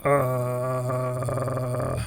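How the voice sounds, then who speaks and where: A man's voice: medium pitch, monotone, very slow, creaky, faint music behind. A man chatting casually on a live game stream, thanking viewers and laughing often.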